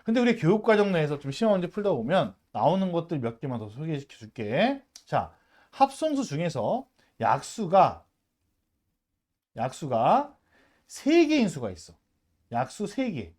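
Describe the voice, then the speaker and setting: Lively, chatty math teacher. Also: mid-range voice, moderate pace. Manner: chatty, checks in with constant rhetorical questions; emphatic, drills students to say terms aloud. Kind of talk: casual lecture to middle school students.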